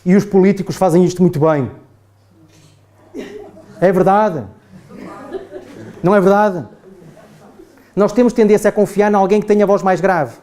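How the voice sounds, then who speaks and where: A man's voice: high-pitched, steady tone, moderate pace, pauses often, mellow. A man with a European Portuguese accent giving a chatty classroom talk to adults, often asking the group "não é?". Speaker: trainer. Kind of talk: classroom lecture.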